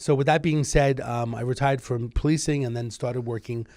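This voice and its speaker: A man with an American accent, an unremarkable speaking voice, medium pitch, ordinary pitch variation and a fairly quick pace. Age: 40s. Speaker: retired police officer, legal services connector. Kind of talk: interview. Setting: studio.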